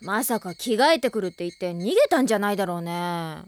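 A woman's voice: medium pitch, expressive, quick pace, close to an everyday voice. An actress playing a confident, crafty teenage girl in an anime audio drama, with a cool, teasing, mock-polite delivery. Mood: suspicious.

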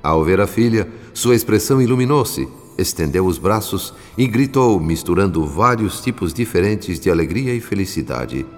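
Radio drama narrator: very low voice, solemn and benevolent, long reverb. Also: male voice, lively intonation, moderate pace, hardly any pauses. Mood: solemn, serene. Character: solemn, benevolent male spirit narrator telling the story. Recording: long reverb, music behind.

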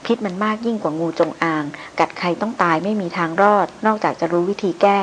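A woman voicing a wild young male jungle tracker who speaks flatly in a low murmur. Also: fast talker, a little hiss or hum, lightly acted, low-quality recording. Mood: deadpan. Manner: flat, low-murmured speech.

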